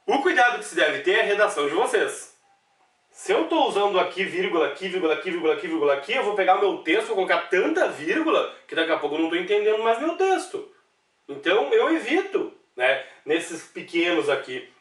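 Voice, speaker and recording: A man's voice: on the high side, fairly bright tone, far from the mic. A man teaching a grammar lesson, explaining step by step and checking in with his students. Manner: explanatory, asks himself questions, frequent "tá?" checks. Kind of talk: classroom-style video lecture. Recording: echoey room, mic set back.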